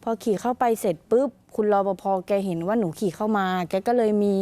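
A woman's voice: medium pitch, a little fast, warm tone, no echo. A young woman, a guest on a TV talk show, plainly retelling what happened to her in detail and politely. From Thailand. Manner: plain, detailed retelling, calls herself 'หนู', many polite 'ค่ะ'. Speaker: interview guest. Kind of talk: recounting an incident in a TV interview.

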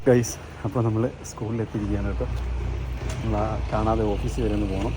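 A man's voice: fairly low pitch, level tone, fast talker, over a noisy crowd, low-quality recording. A man chatting casually as a family vlogger and coaxing his small child. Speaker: vlogger, father. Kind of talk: casual family vlog chat. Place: in a car and outdoors at a school. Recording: clear traffic noise.

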